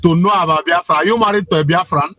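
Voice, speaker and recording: A man's voice: sits high, fast, bright, forceful tone, dry recording, lo-fi sound. A male interviewer who asks his questions insistently, repeating them again and again.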